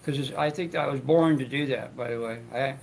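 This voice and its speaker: A man's voice: mid-range voice, fairly quick, gravelly, a little mellow, a little hiss or hum. A man hosting his own talk show, speaking in a rambling, stammering way with frequent restarts and joking asides. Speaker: show host.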